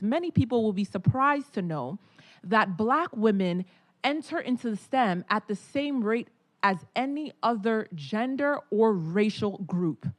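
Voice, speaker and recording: Woman panelist, mid-pitched, emphatic and rhetorical, stacks repeated phrases. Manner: emphatic, builds points through repetition. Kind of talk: panel discussion remarks.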